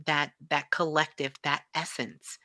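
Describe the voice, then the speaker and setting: A woman's voice: deep voice, level tone, unhurried, pushed and bright, dry recording. A woman speaking reflectively and conversationally as an interview guest and spiritual teacher, often checking in with the listener. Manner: frequently checks in with "you know".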